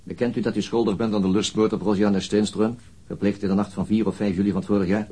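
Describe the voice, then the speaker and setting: An actor playing a persistent, controlled police interrogator in a radio crime drama, formal and probing, with a husky voice. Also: male voice, on the low side, little pitch movement, fast, mellow. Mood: stern, accusing.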